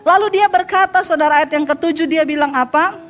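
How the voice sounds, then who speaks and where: High-voiced, blunt woman pastor preaching. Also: a little fast, soft background music. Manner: blunt, scolding, mocking, with sudden high outbursts. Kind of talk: sermon.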